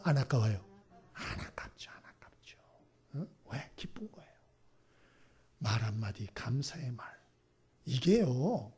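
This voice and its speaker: A male pastor giving a Sunday sermon. He asks the congregation questions and then answers them himself in soft, whispered repeats. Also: on the high side, husky.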